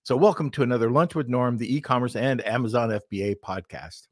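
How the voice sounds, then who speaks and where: A man hosting a business podcast in a lively, chatty way, introducing guests and reading sponsor spots. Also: mid-range voice, a little fast, no room sound, studio quality. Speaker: podcast host. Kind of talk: podcast interview.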